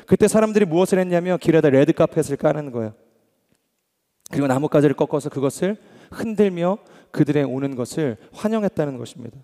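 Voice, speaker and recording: Earnest Korean pastor in a big hall. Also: male voice, fairly high pitch, expressive, quick pace, dark tone. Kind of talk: sermon. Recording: long hall reverb.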